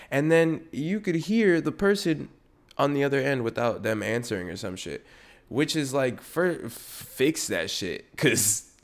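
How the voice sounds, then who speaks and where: A young man hosting a comedy podcast on his own, rambling, swearing a lot and interrupting himself. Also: mid-range voice. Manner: profane, rambling, self-interrupting. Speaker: podcast host. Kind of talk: solo comedic podcast rant.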